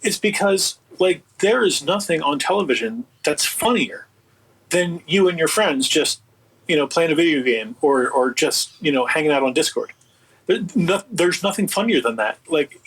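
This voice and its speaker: A man with a slightly husky voice speaking as an interview guest in casual, emphatic, opinionated, rambling talk. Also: on the high side, fairly bright tone, rough recording. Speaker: guest, audio producer and writer.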